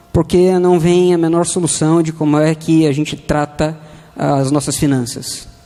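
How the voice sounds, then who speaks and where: Speech unfolds rather slowly. Background noise is clearly audible. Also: man. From interior of São Paulo state, Brazil (Tatuí). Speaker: financial consultant and lecturer. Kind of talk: talk to a live audience. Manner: hesitant, many fillers.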